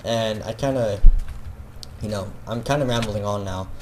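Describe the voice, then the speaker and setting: A man's voice: fairly low pitch, moderate pace, slight background noise. A young man with a Filipino accent, rambling self-consciously in a casual video, full of fillers and restarts. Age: teenager. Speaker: gaming video creator.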